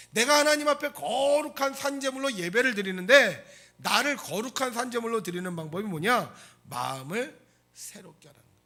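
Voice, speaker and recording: A male pastor delivers a lively sermon in a church, telling the story with animated swings in his voice. His voice is high and bright, and it has a raspy edge. He keeps asking the congregation questions. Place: church sanctuary.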